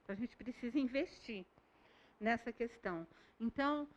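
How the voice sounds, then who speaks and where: A woman teaching a recorded Bible school lesson, calmly explaining with stories from her classroom. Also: a little high, normal speed, highs cut off.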